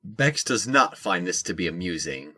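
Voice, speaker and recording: A man playing a wry storyteller, narrating a scripted audio drama in a measured way. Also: low-pitched, big pitch swings, bright, forceful tone, husky, exaggerated voice.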